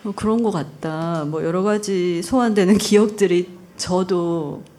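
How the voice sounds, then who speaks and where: A woman poet, reading a poem aloud and chatting on a literary radio show in a soft, unhurried way. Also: on the low side. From North Gyeongsang, Korea. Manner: soft, unhurried, gentle laughs. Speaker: guest poet. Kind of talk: poetry reading and radio chat. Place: public radio broadcast stage.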